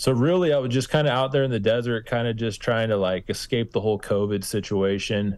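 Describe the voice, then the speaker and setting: With an American accent, a man speaks at a fairly quick pace with hardly any pauses, using an ordinary speaking voice of medium pitch and ordinary pitch variation. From Kansas, US Midwest. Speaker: author and history researcher. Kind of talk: casual interview chat.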